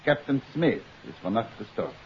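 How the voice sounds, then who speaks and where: An actor playing a shrewd, authoritative detective in a 1950s radio drama, speaking in a probing, deliberate way. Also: male voice, on the low side, sing-song. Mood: stern, pressing. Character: shrewd, authoritative male amateur detective confronting a suspect. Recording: muffled 1950s radio recording with hiss.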